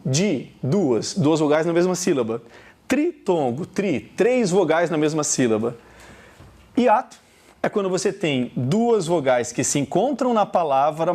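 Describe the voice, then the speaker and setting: A middle-aged man with a Brazilian Portuguese accent teaching a recorded lesson, talking straight to the viewer. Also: on the high side. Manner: animated, talks straight to the viewer.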